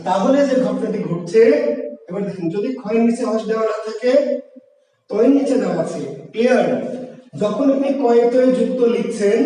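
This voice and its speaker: High-voiced man teaching in an echoey room. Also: mellow, far from the mic. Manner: explains patiently, asks and answers his own questions. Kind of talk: online exam-prep grammar lecture.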